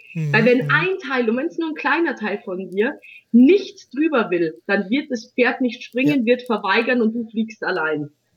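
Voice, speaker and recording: A woman speaks in a high-pitched voice. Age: 30s. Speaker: sales trainer. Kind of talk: interview.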